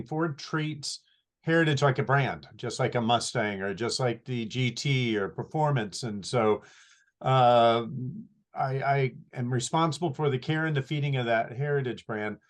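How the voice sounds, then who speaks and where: A man answering interview questions as a company archivist, informative and measured, full of detail. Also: medium pitch.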